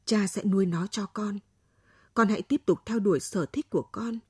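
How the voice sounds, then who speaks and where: A woman reading a story aloud, voicing a gentle aging father who talks slowly and tenderly. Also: high voice, expressive, slightly rough, dry recording, clean studio sound, heavily acted. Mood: gentle pleading.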